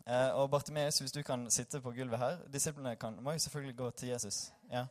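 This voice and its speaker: Worn out from too little sleep, a young man delivers a relaxed church hall sermon, poking fun at himself, chatting with the congregation, and reading from scripture. He has a mid-range voice with fairly even intonation.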